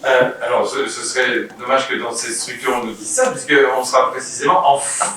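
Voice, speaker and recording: A man's voice: mid-range voice, steady tone, a little fast, sharp tone. Echoey, distant Frenchman chairing a meeting. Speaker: mayor chairing a municipal council meeting. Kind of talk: formal council speech, partly improvised explanation. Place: indoor council meeting room. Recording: very echoey meeting room, distant mic, faint noise.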